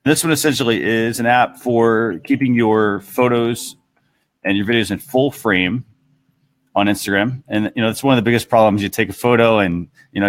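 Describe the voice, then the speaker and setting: A man with a somewhat low voice hosts a casual talk show. He explains things in a conversational way, speaking to both listeners and the panel. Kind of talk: casual presentation of tools and tips.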